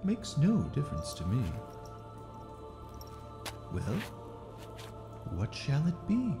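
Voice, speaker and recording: An actress playing a cruelly amused, sinister mage inquisitor with a theatrical, drawling, condescending manner in an audio drama. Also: female voice, sits low, wildly swooping pitch, slow, exaggerated voice. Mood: cruel amusement. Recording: long echoing reverb, music underneath.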